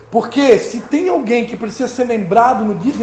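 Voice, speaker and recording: Delivered at a moderate pace with ordinary pitch variation, the speech carries audible room echo and noticeable background noise. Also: man. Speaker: pastor. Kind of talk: sermon. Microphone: speaking without microphone.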